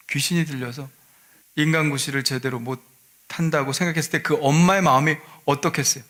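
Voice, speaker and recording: A man's voice: fairly high pitch, fairly bright tone. A male pastor preaching a Sunday sermon, retelling a scripture story and asking the congregation rhetorical questions.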